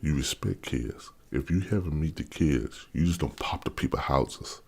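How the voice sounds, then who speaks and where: Gravelly and slightly rough, his rumbling low voice moves with lively intonation at a normal pace. He's a vlogger around fifty from the Maryland/DC area, delivering an unscripted opinion rant to camera that's blunt, repetitive, and full of stammered restarts.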